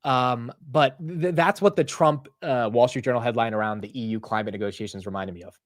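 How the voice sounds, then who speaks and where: A man's voice: medium pitch, a little fast. A young American man with a mid-range voice chats casually on a livestream. He rants in bursts and swears easily. He sounds close and dry, with no room echo. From United States. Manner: animated, ranting, profane and self-mocking. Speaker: livestream market show host.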